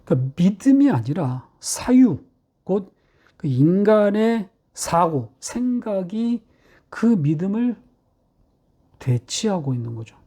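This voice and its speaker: A middle-aged male pastor preaching a sermon, posing rhetorical questions and slowing down to stress key phrases. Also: sits high, sing-song, warm tone, breathy edge. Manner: rhetorical questions, measured delivery with slowed emphatic phrases.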